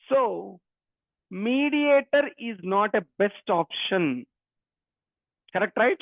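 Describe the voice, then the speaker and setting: A man's voice: very high voice, no room sound. A man from Telangana, a native Telugu speaker with a Telugu Indian English accent, teaching programming interactively and repeating his phrases and questions. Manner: repeats phrases and questions, often addressing students. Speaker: programming instructor. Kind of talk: interactive online technical lecture. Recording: narrow phone-like line.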